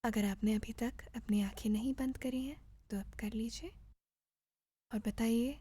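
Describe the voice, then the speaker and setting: Slow, breathy woman guiding meditation. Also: a little high, fairly even intonation. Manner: gentle, soothing, measured instruction with pauses. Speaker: meditation guide. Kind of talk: guided meditation narration.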